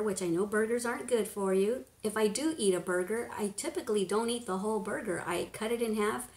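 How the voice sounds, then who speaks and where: A woman in her fifties chatting casually on a home live stream, rambling, laughing often and sometimes dropping to a hush. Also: medium pitch. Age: 50s. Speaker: beauty vlogger, live stream host. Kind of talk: casual live-stream chat reading comments. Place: living room at home, indoors. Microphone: webcam at desk distance. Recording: echoey room.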